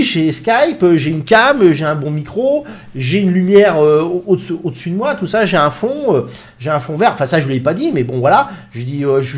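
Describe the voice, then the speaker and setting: A man talking casually to his camera, rambling with many fillers and restarts as he recounts a story. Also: high voice. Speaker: YouTuber recounting a TV interview.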